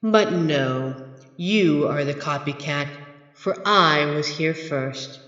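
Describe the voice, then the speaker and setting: A woman voicing a smug, menacing monster from under the bed in an audio roleplay, haughty and taunting with drawn-out theatrical delivery. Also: deep voice, fairly bright tone. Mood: haughty, bickering. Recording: echoey reverberant hall, slightly dull.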